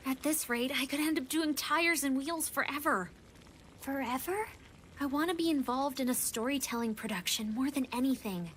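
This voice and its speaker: A worried, wistful young animator in an anime dub. She speaks earnestly in a high voice. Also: moderate pace, fairly bright tone, a little hiss or hum.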